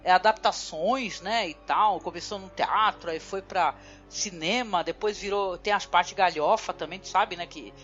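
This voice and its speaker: A woman's voice: on the low side, a little slow, hardly any pauses, fairly bright tone. Chatty Brazilian woman podcast host. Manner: chatty, fills with "né" constantly. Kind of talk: casual chat. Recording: dull lo-fi audio with faint music.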